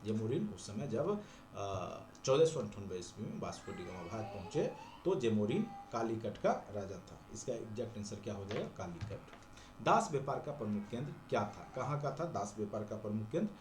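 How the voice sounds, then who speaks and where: A man's voice: fairly low pitch, sing-song, moderate pace, a little mellow. A man with an Indian accent teaching an exam-prep class in question-and-answer style, repeating points for emphasis. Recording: echoey room with noticeable background noise.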